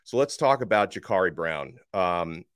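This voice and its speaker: A man hosting a college football podcast, slightly hoarse, talking with emphatic energy that rises toward near shouts. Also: low voice, expressive, normal speed, no echo, clean studio sound. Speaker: sports podcast host. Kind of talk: college football talk with ad read. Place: radio studio.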